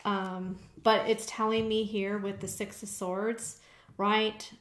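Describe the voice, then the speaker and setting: A woman's voice: medium pitch, flat delivery, slow pace. A woman giving a tarot card reading to her viewers in a casual way, often stopping to check in with "okay?". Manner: conversational, frequent "okay?" check-ins. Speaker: tarot reader. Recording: echoey room.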